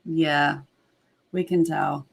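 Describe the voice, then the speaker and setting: A woman's voice: deep voice, fairly even intonation, extremely slow, vocal fry. A woman hosting a reality TV fan show, chatting casually with teasing, opinionated reactions.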